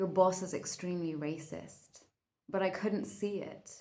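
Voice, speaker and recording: Audible room echo surrounds a fairly slow delivery with ordinary pitch variation. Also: woman. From Kenya. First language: Kiswahili. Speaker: spiritual content creator. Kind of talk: personal monologue.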